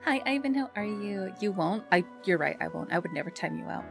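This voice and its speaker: A woman livestreamer chatting casually with viewers in a bubbly, expressive and affectionate way. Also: medium pitch, a little fast, vocal fry. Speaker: live streamer and ASMR content creator. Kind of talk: casual livestream chat with viewers, greeting them and reading messages. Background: background music.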